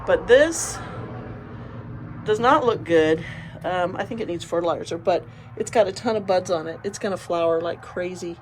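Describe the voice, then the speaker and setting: A woman's voice: on the low side, a little hiss or hum. A woman chatting casually to camera on a walk through her garden, rambling and sniffling from congestion. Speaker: gardening vlogger. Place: outdoor garden, windy.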